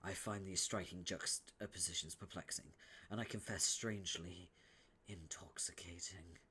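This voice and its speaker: Man doing a stiff, pompous troll noble; low, whispery, overly formal. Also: steady tone, normal speed, slight background noise. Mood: brooding. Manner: formal, pompous diction, hushed breathy delivery. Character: stiff, haughty young male troll noble.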